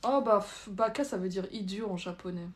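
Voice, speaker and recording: This young adult host from France chats casually with her livestream audience, reading out comments and replying bluntly in loose, hesitant wording. She speaks fairly quickly in a mid-range voice.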